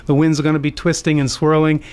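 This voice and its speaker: Radio storyteller: American male, 60s, slightly high-pitched, anecdotal and amused delivery, unscripted. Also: monotone, fast talker, darkish tone. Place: community radio studio.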